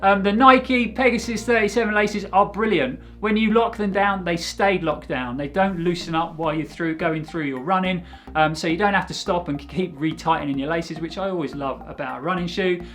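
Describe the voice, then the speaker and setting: A man hosting his own channel, giving a steady, conversational product review of running shoes to camera. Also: sits high, moderate pace.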